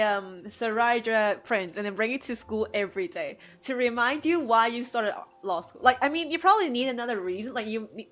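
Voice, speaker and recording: Chatty, laughing woman art streamer. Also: fairly high pitch. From Hong Kong. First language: Cantonese. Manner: chatty, laughs often, rambling asides. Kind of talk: casual chat while drawing. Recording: faint music under the voice. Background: soft background music.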